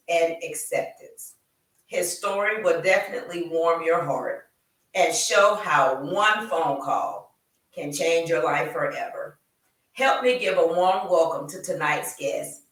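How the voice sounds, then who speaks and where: A woman's voice: lowish voice, a bit bright, recorded from a distance. A woman hosting an interview show, reading a scripted welcome and then prompting her guest in a chatty way. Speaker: talk show host. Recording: roomy echo, away from the mic.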